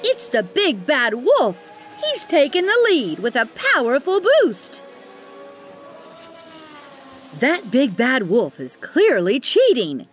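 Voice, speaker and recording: A woman's voice: high voice, wildly swooping pitch, a little slow, exaggerated voice. A woman playing a perky, friendly storyteller who hosts a children's cartoon and exclaims to young listeners. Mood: shocked, indignant. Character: perky, friendly female storyteller and race announcer. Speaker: host and narrator. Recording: music behind the voice.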